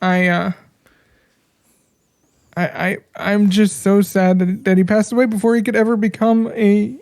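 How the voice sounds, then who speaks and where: A woman's voice: mid-range voice, little pitch movement, a little slow, darkish tone. A woman hosting a podcast stream, teasing her co-host in dry, mock-serious comedic banter.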